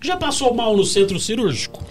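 A Brazilian man co-hosting a chat show in a high, animated voice. He cracks quick jokes and reads out questions with a playful edge. Music is clearly heard behind him. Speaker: co-host. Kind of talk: casual podcast chat.

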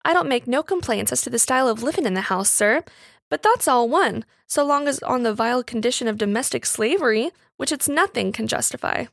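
Storybook housemaid, played by a woman: proud, indignant, uneducated speech, high voice with little creak, close and dry. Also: animated, a little fast, a bit bright, no room sound, exaggerated voice. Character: pert, defiant young housemaid newly come into money.

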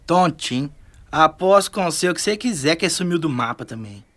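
A man's voice: fairly high pitch, animated, brisk, a bit bright. An actor playing a superstitious, fretful riverside man in a radio drama, speaking colloquially. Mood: impatient.

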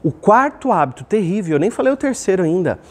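A man's voice: high voice, very animated, fast talker, a little mellow. A man with a Brazilian Portuguese accent, hosting his own self-help video and giving an emphatic motivational talk to camera, repeating key phrases and shifting his pace. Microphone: camera microphone.

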